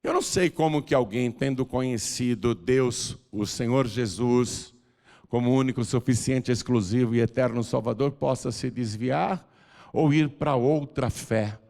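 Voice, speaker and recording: A Brazilian man preaching as a pastor, moving between soft pleading and loud, fervent calls to come forward. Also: medium pitch, a little slow, creaky. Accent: Brazilian Portuguese. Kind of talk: preaching a sermon with an altar call. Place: large church hall. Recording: reverberant church hall.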